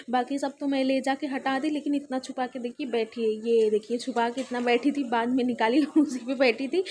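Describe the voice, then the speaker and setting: Young woman, high voice, easy home-vlog chatter with frequent laughs, phone mic indoors. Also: a little mellow, a little hiss or hum. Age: young adult. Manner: chatty, laughs often while talking. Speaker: vlogger. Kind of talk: casual home vlog chat.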